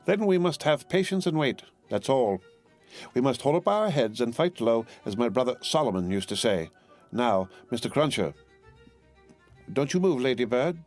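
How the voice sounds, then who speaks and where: A man voicing a fussy, fiercely loyal middle-aged woman servant who talks brisk and emphatic. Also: mid-range voice, animated, darkish tone, soft background music, pitched above the performer's own voice, close to an everyday voice.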